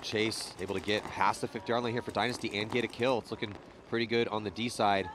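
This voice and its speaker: A man calls a live sports match play by play, his voice sitting on the low side. He gets livelier when the action peaks. Outdoor hum and passing vehicles sit clearly behind him. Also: fairly even intonation, quick pace. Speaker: play-by-play commentator. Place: outdoor paintball field.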